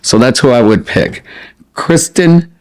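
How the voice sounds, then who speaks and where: A middle-aged man chatting casually as a vlogger, expressive and prone to wandering off on tangents as he answers questions. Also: mid-range voice, measured pace. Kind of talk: casual chat to camera, answering listed questions.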